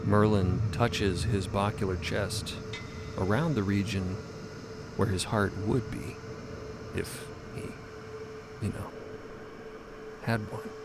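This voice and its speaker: A man's voice: fairly low pitch, steady tone, slow, long pauses, heavy background noise. A man giving dramatic scripted narration as the narrator of an audio story.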